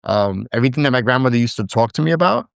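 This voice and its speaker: A man's voice: mid-range voice, expressive, rapid-fire, creaky, clear, resonant tone, no room sound, studio quality. A man from Brooklyn who grew up partly in Puerto Rico and spoke Spanish first, telling stories as a podcast guest with lots of fillers and restarts. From Brooklyn, New York, with years in Puerto Rico. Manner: rambling, frequent fillers and restarts. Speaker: podcast guest, digital media founder. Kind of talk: casual storytelling interview.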